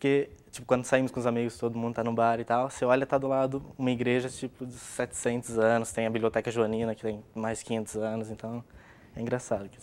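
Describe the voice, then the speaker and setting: A man delivers his words very fast, his medium pitch paired with a monotone, flat intonation. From Brazil (Paraná), raised in Portugal from age 9. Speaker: engineering student. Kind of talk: interview. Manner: casual, uses many fillers.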